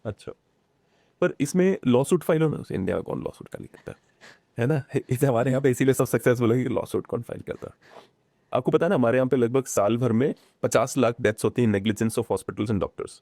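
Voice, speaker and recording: A man in a relaxed podcast chat with a mellow, darker tone. He sounds animated and opinionated, and English phrases slip into his talk. The sound is close and dry, like a studio mic. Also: medium pitch, a little fast, dry recording. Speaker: podcast guest. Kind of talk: casual conversation.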